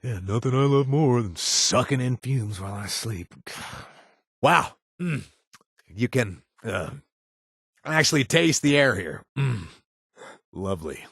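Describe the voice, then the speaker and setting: A husky wisecracking ex-gang bartender. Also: male voice, mid-range voice, animated, slow, fairly bright tone, dry recording, studio quality, heavily acted. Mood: relaxed. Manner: wisecracking, laid-back. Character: reformed ex-gang man turned bartender. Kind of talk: video game voice acting.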